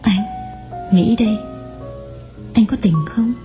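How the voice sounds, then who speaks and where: A man's voice: high voice, moderate pace, over music, voice pushed up, natural voice. Man doing a tearful grieving woman. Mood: choked. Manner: soft, choked, pleading, at times whispered. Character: tearful grieving woman, old lover at a sickbed. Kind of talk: audiobook reading.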